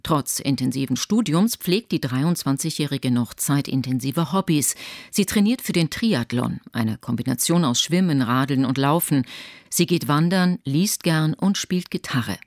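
A woman narrating a radio feature in an even, clear storytelling read. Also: low voice, normal speed, no room sound, clean studio sound. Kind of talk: scripted narration.

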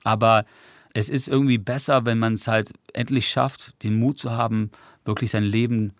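A man's voice: mid-range voice, fairly even intonation, normal speed, dry recording. A man whose first language is English, a musician guest in a radio studio interview, talking reflectively and rambling with many tag questions.

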